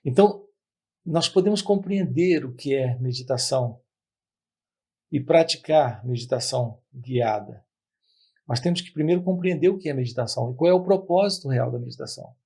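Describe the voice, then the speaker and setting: Gravelly-voiced spiritual teacher. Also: male voice, medium pitch, lively intonation, dark tone. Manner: measured, repetitive phrasing with pauses. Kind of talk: spiritual talk to camera.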